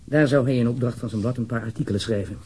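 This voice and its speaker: A self-important ministry official in a radio drama. He speaks in a very husky, rough voice, with fussy, pompous emphasis. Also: medium pitch, darkish tone. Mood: grave, self-important. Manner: fussy, emphatic, halting, swearing.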